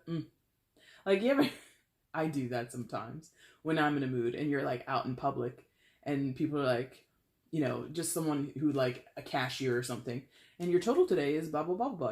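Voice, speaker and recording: Woman, deep voice, chatty, animated, tarot reader, casual monologue. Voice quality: fairly deep voice. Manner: chatty and animated, trailing off mid-phrase.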